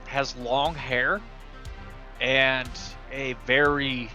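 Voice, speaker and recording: A man's voice: medium pitch, flat delivery, drawn-out words, bright, forceful tone, lo-fi sound, soft background music. A man chatting casually as a player describing his character in a tabletop game.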